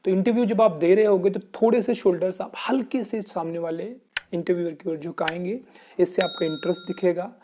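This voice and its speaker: Teaching English in Hinglish, a Hindi-accented man from Uttar Pradesh poses questions and answers them himself. He sounds mellow and high-pitched, brisk, with a steady tone.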